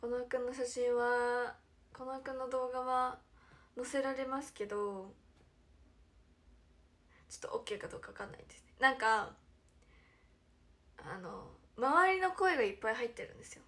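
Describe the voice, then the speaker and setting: A young woman chatting casually on her livestream with a slightly high-pitched voice. She is giggly and animated, and she often drops to a near-whisper. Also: moderate pace, long pauses. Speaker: idol livestream host.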